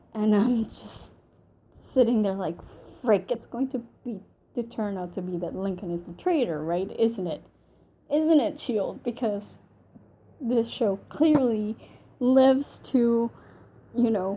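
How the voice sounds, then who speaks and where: Her voice has a dark, mellow tone and is somewhat breathy. The woman speaks at a very slow pace, with long, frequent pauses and big swings in loudness. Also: fairly high pitch for a woman. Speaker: TV reviewer. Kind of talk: video review monologue. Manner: hesitant, many fillers.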